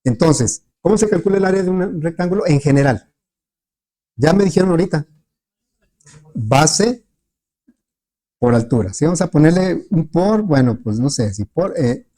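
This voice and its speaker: A man's voice: on the high side, expressive, moderate pace, long pauses, warm tone. A man teaching a class, patiently checking in with students through frequent questions. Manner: patient, with many fillers and restarts. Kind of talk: classroom lecture.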